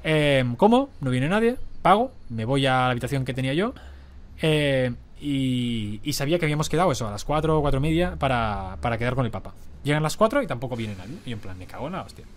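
A man's voice: medium pitch, expressive, fast. A young man with a Catalan accent and a stuffy nasal cold, telling a story as a podcast guest, rambling with lots of fillers. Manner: rambling, many fillers like "en plan" and "¿sabes?". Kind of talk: casual storytelling in a podcast interview.

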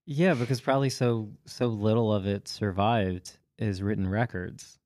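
A man with a mid-range voice, recorded dry and close, trades quick wry jokes in a relaxed back-and-forth. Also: lowish voice, dry recording. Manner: wry, joking asides. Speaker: podcast co-host. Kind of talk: casual chat.

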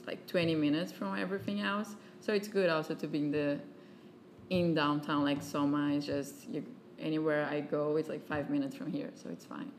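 A woman's voice: sits low, fairly even intonation, normal speed, a little hiss or hum. A woman in her thirties from southern Brazil with a Brazilian Portuguese accent, a guest talking casually with lots of fillers and laughs. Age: 30s. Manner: chatty, many fillers, laughs often. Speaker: guest, venture capitalist. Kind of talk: casual interview chat.

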